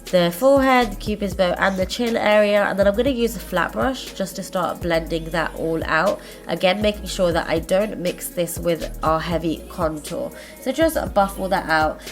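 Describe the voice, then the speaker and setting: A woman with a blocked nose from a cold, hosting a makeup tutorial in a chatty, friendly way and sometimes correcting herself as she goes. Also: medium pitch. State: congested, stuffy-nosed from a cold. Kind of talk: casual step-by-step tutorial narration.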